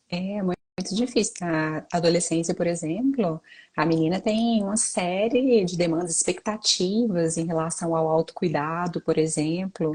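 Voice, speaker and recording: A woman's fairly low, somewhat breathy voice at a fairly slow pace, with ordinary pitch variation and hardly any pauses. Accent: Minas Gerais. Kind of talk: live interview conversation. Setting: online live stream.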